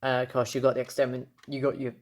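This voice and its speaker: A man's voice: mid-range voice, monotone, quick pace. A young man giving a casual, unscripted toy review, rambling enthusiastically and often repeating himself.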